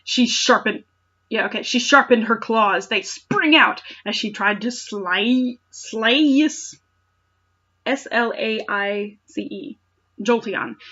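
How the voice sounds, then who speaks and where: A woman's voice: on the high side, takes it slowly, a bit bright, highs cut off. A woman reading fan fiction aloud with sarcastic, incredulous asides and exaggerated dramatic narration.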